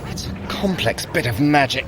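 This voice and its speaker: An actor playing a vain, sardonic trickster god and sorcerer in a theatrical, wry audio adventure style. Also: male voice, medium pitch, animated, moderate pace, background noise, lightly acted. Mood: proud, defensive. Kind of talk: scripted audio adventure acting.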